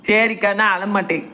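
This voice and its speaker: A woman's voice: mid-range voice, a bit bright, pitched below the performer's own voice. A woman voicing a meek, tearful young wife in a family cartoon. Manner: whiny, pleading.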